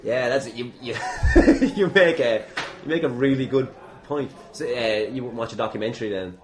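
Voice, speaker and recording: Crowd noise fills the busy gym where an Irish man runs his casual, jokey podcast. He interviews in a mid-range voice at normal speed, teasing, irreverent and prone to swearing.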